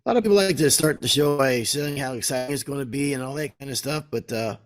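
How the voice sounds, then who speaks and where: Hoarse rambling male podcast host. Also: medium pitch, quick pace. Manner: rambling, self-interrupting. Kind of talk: casual podcast banter.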